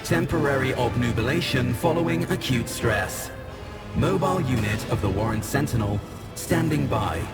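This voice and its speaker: A booming, metallic robot sentinel, speaking in clipped, dutiful reports. Its gravelly machine tone sits mid-range for a man. Loud game music plays underneath. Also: animated, moderate pace, long pauses. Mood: cold, dutiful. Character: mechanical male guardian sentinel unit.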